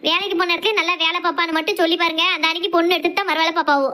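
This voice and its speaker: Brief: woman doing a fast, high, bright-voiced nagging cartoon mom with a Kanyakumari Tamil accent. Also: fairly even intonation. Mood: complaining. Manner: scolding, complaining, quick. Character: nagging middle-aged village mother, fretful. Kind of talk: cartoon comedy voice acting.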